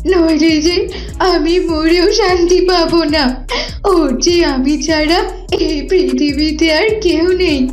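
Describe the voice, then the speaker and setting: An anxious mother fox played by a woman in a cartoon, with a very high voice. She is emphatic, protective and pleading, in a roomy echo over faint music. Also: fairly even intonation, takes it slowly. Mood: tearful pleading. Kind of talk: cartoon voice acting.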